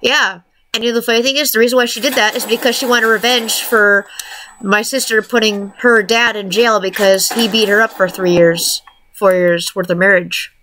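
A woman's voice: medium pitch, fairly even intonation, normal speed, bright, forceful tone, a little hiss or hum. A woman streamer in casual chat while gaming, blunt and profane, laughing often.

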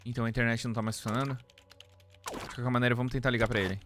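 A man's voice: mid-range voice, level tone, fast talker, over music. A man in his thirties with a Brazilian accent, giving casual playthrough commentary, musing aloud and reading out screen text. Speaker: game streamer.

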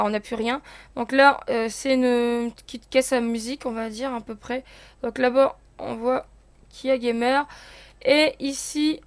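A woman's voice: high voice, no room sound. A young woman giving casual commentary while playing an online game, chatty and explaining things to her viewers. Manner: chatty, explains rules to viewers with many fillers. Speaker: gaming channel host.

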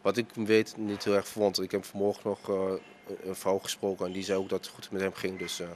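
Halting, low-voiced man in his thirties. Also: monotone, slight background noise. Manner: halting, many fillers and restarts. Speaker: restaurant owner. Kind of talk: news interview. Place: inside a restaurant dining room. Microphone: handheld reporter mic.

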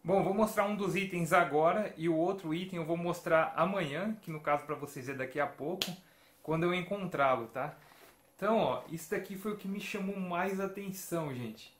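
A man's voice: high voice, normal speed, echoey room, slight background noise. A man in his thirties with a Brazilian Portuguese accent, chatting to camera as a retro gaming vlogger and telling stories with many tag questions. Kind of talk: casual chat to camera. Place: home room with shelves of games and toys.

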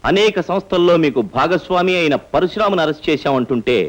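An actor playing a stern police superintendent in a film. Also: male voice, on the high side, expressive, fast talker, close to an everyday voice. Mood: formal. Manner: stern and commanding. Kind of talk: Telugu film dialogue. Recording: film soundtrack with music underneath.

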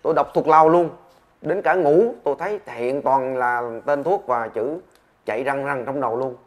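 A man's voice: medium pitch, normal speed, lo-fi sound, lightly acted. A man doing a naive, puzzled patient. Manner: earnest, puzzled explaining. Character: bewildered male patient, earnest and naive.

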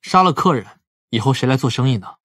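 A man playing a calm, analytical detective in his twenties in an audiobook drama, speaking in a measured, explanatory way. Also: mid-range voice, husky, dry recording, clean studio sound. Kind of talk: Mandarin audiobook drama acting.

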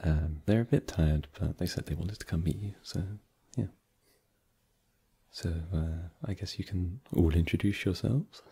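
Low, creaky, very dark voice with a breathy husk, a man acting as a laid-back young boyfriend, stumbling through "um"s and "like"s and slipping into playful teasing, ASMR roleplay. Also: unhurried, full character voice. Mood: relaxed. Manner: hesitant, filler-heavy, teasing. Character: easygoing young adult boyfriend hosting friends.

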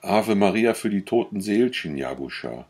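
A man voicing a pious old beggar woman in a storybook reading, pleading loudly. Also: fairly low pitch, very animated, moderate pace, slightly rough. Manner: pleading, begging.

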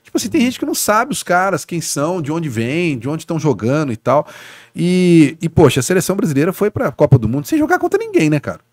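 A lively Brazilian man chatting on a podcast, his pitch leaping around as he tells stories. His voice sits a touch high for a man and sounds close and dry. He peppers his talk with quick asides. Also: no echo. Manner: animated storyteller, frequent "né, cara" tags. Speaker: guest sports journalist. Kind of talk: casual podcast chat.

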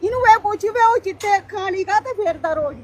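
A woman's voice: very high-pitched, quick pace, darkish tone. An older woman talking in an agitated, scolding way, refusing help and pushing people away.

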